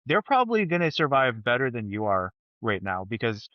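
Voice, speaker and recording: A man speaking as a podcast guest, a software developer talking in a thoughtful, hesitant way with many pauses and restarts. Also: medium pitch, big pitch swings, dry recording, highs cut off. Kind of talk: casual podcast chat.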